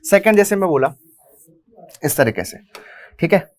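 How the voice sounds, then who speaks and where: A man with an Indian accent teaches an engineering lecture in a fairly high-pitched voice. He drills the key terms by repeating them and keeps throwing questions at the class, answering each one himself a moment later. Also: expressive, normal speed. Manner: mixes Hindi with English terms, repeats key phrases, asks and answers his own questions. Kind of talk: classroom lecture explaining at a whiteboard.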